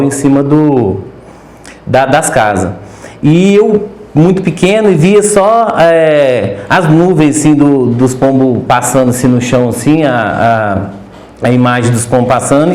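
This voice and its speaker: A man with a Minas Gerais accent talks in a hesitant, nervous way as a podcast guest, stopping and restarting his sentences. His voice is mellow and dark, and it carries a noticeable room echo. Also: mid-range voice. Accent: Minas Gerais Portuguese. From Brazil. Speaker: podcast guest, pigeon breeder. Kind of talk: casual interview chat.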